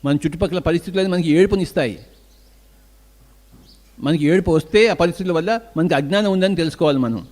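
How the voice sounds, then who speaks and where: A man's voice: on the high side, fast talker, pauses often, darkish tone. A man giving a spiritual discourse, emphatic, answering his own rhetorical questions. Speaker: spiritual teacher.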